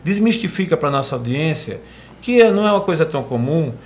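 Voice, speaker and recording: A man's voice: fairly high pitch, very animated, fairly quick, a little mellow, a little hiss or hum. A man hosting a podcast interview, asking questions and agreeing often. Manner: agreeable, says "entendi" often. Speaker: podcast host. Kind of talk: casual interview.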